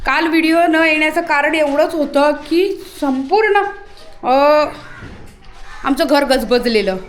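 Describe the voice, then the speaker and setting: High-voiced chatty woman vlogger. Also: a little slow, a little hiss or hum. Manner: chatty, calls out loudly to her dog. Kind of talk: casual home vlog. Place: house under renovation, indoors.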